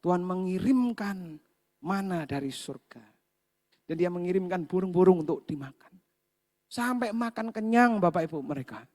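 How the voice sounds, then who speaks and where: A man's voice: high voice, lively intonation, normal speed, a little mellow, long reverb tail. A man preaching a sermon, telling the story with questions to the congregation and acting out the grumbling crowds. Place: church hall.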